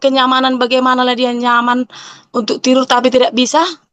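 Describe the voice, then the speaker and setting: The sound is dry and close, with no echo. A woman speaks in a high pitch. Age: 30s. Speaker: housewife giving product testimony. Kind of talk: testimony.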